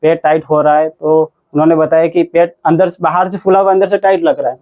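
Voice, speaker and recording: A man in his twenties telling his own story as a patient in an interview. He talks in a halting, rambling way and often restarts his sentences. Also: a little high, flat delivery, darkish tone, dull audio. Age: 20s. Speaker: patient giving a testimonial.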